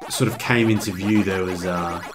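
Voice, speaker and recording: A man's voice: low voice, steady tone, normal speed, over music. A hungover man giving loose, rambling, joking, self-mocking casual commentary as he hosts a video game review.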